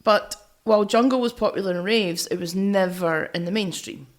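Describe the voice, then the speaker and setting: A woman's voice: medium pitch, moderate pace, slight background noise. A Scottish woman co-hosting a podcast, talking through music informally in a chatty, teasing way. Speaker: podcast co-host. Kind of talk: casual music discussion, explaining from notes.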